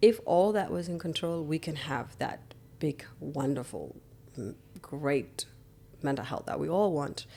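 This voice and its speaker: A woman's very deep, low voice in a South Sudanese accent, dark and mellow in tone, with ordinary pitch variation, fairly slow pacing, and long, frequent pauses. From South Sudan, refugee camps until age eleven. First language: Nuer. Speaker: mental health centre founder. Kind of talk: podcast interview.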